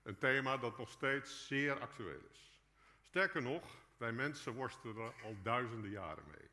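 A man preaches with a bright, projecting voice at an average pitch, reading his sermon in earnest, measured phrases. Long cathedral-like reverb from the church hall trails his words. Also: animated. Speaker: preacher, guest speaker in a church. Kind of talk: sermon read from a prepared text. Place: large church hall, indoors.

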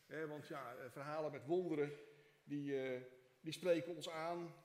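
Pastor with a slightly high voice in an echoey hall. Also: male voice, fairly even intonation, normal speed. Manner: reads scripture expressively, prays softly with hesitations. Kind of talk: sermon with scripture reading and prayer. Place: church.

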